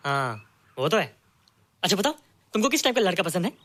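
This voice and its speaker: A man's voice: high-pitched, sing-song, brisk, a bit bright. A childlike, eager young man. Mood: playful. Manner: boyish, simple, pleading. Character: grown man with a childlike mind, eager and innocent. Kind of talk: film dialogue.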